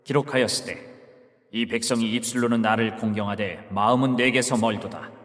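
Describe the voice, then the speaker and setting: An actor playing Jesus as a calm grown teacher, speaking in a solemn, measured way in a dramatized Bible reading. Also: male voice, mid-range voice, big-room sound, close to an everyday voice.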